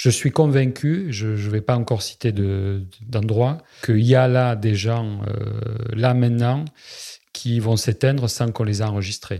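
Fairly slow, medium-pitched male speech with ordinary variation in pitch. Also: very clean recording, silent background. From France, Rodez (Aveyron). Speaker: tour guide and storyteller. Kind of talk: interview. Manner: animated; hesitant, with repetitions.

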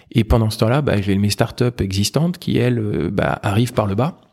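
In a very clean recording with a silent background, a man with an ordinary speaking voice talks at a moderate pace, fairly low in pitch with ordinary pitch variation. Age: 40s. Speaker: startup executive. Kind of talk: casual chat.

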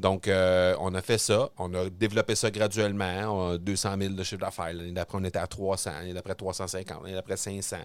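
Speaking at a moderate pace, a man has a very deep, low pitch and monotone, flat intonation. The recording is very clean, with a silent background. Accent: Quebec. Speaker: entrepreneur and podcast coach. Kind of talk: interview.

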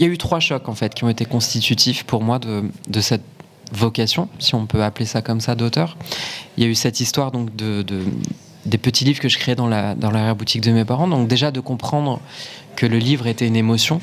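Noticeable background noise sits behind a man of medium pitch. He talks at a fairly quick pace, with long, frequent pauses. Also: ordinary pitch variation. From French Alps, Chambéry. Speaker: children's author. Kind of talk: interview testimony. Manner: halting, many repetitions and fillers.

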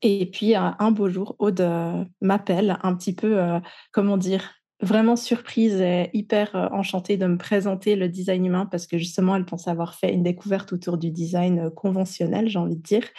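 A woman speaks with a dark, mellow tone in monotone, flat intonation. The background is quiet. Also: medium pitch for a woman, moderate pace. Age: 30s. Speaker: human design coach. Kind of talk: casual chat.

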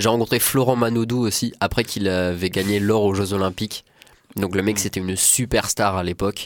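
A man speaks in a plain, everyday voice. His intonation is fairly even. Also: fairly low pitch for a man, moderate pace. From France. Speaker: student and guitarist. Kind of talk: casual chat.

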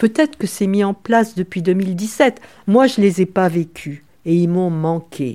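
A woman speaks very slowly, her tone dark and mellow. Her intonation is lively. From grew up partly in the Orient, then France. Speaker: retired prison guard, author. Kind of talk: testimony.

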